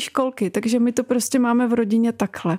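A woman with a high voice talks at a fairly quick pace and fairly even intonation, the sound dry and close with no echo. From Czechia, Broumov region (born in Kyiv). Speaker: poet and editor. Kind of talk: interview. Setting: studio.

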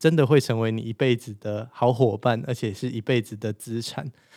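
A man speaks at a moderate pace with an unremarkable speaking voice at medium pitch, on a very clean recording with a silent background. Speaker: banker. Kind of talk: interview.

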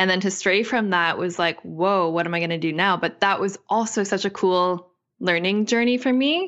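A woman speaks in a normal speaking voice at a moderate pace, her medium pitch showing ordinary variation and her loudness very even against a quiet background. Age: 20s. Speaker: holistic nutritionist and emotional eating coach. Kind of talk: casual interview chat.

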